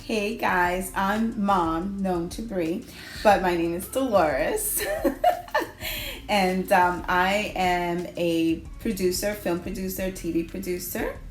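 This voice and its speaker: A woman's voice: mid-range voice, animated, takes it slowly. A middle-aged woman from the Dominican Republic with a New York Hispanic accent, telling stories casually with quirky humor. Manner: warm-humored, quirky, laughs easily. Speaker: guest. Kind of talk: casual storytelling. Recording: echoey room with faint music.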